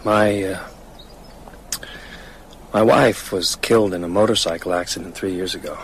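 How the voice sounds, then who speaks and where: A man's voice: deep voice, normal speed, a little hiss or hum. An actor playing a brooding, reserved widowed man in an understated, hesitant way in a radio drama. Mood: subdued grief.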